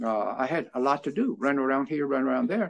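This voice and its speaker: In a dry, close sound with no echo, a man with a southern Chinese accent speaks at a fairly quick pace with very wide pitch swings. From Houston, Texas. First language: Taishanese Chinese. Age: 70s. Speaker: oral history interviewee. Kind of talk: oral history interview. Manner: halting, many fillers and restarts.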